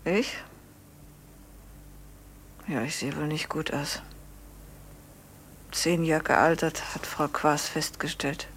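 A worn-out nervous wife in a radio play, slow and halting, faint noise behind her. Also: sits low, steady tone, a bit bright. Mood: strained, weary. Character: innkeeper's anxious, haunted, weary wife. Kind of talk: German radio play acting.

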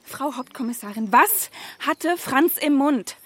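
An actress playing an earnest young camp leader and eyewitness in an audio crime drama, urgent and confrontational. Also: female voice, high-pitched, animated, measured pace, fairly bright tone, dry recording. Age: young adult.

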